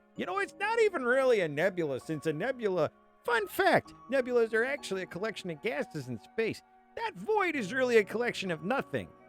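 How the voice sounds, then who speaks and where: Over faint background music, a man puts on a character voice and talks at a fairly quick pace. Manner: gruff, folksy, chatty.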